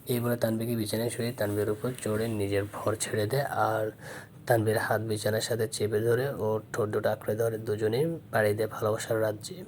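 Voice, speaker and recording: A man narrating a romantic audio story in a plain, unhurried reading voice. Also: fairly low pitch, completely flat delivery, a little hiss or hum.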